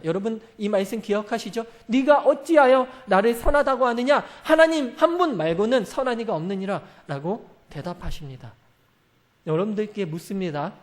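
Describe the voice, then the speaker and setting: A man preaching a sermon as a pastor, often stopping to ask the congregation questions and answer them himself. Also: high voice. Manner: keeps putting questions to the congregation and addressing them directly.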